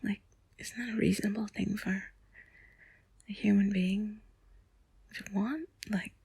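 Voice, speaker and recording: A woman whispering softly and intimately in a breathy, husky voice, close to the mic, confiding in a rambling ASMR monologue. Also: mid-range voice, fairly even intonation, a little slow, no echo. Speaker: intimate audio host.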